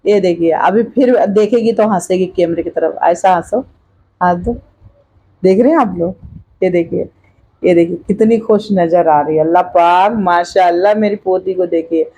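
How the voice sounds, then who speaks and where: A woman's voice: on the low side, moderate pace, warm tone, low-quality recording. An older woman, a grandmother vlogging at home, coaxing her baby granddaughter with repetitive sing-song baby talk into a hand-held clip-on mic. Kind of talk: home family vlog.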